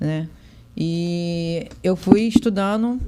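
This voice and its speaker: Her tone is dark and mellow, with a fairly low pitch. This woman's pitch varies in an ordinary way. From interior of Rio de Janeiro state (early childhood in southern Minas Gerais). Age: 30s. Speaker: beautician. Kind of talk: podcast interview.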